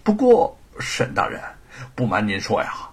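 A man's voice: lowish voice, wildly swooping pitch, unhurried, husky, voice pushed down, exaggerated voice. A man voicing a loyal, blunt white-haired old village militiaman in a historical story, speaking with impassioned emphasis. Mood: resolute. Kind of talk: dramatised Chinese historical storytelling.

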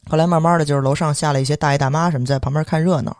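A young man with a Beijing accent, telling an indignant story on a podcast in lively casual chat and acting out the voices of the people involved. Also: a little high, racing, dry recording, studio quality. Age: young adult. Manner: animated, indignant, acts out quoted voices. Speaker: podcast co-host.

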